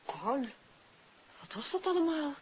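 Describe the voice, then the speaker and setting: An alert, curious detective's wife speaks in a fairly high voice with a Netherlands Dutch accent. She is earnest and inquisitive, in the acting style of 1950s radio. The recording is muffled and hissy. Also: very animated, a little slow. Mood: astonished.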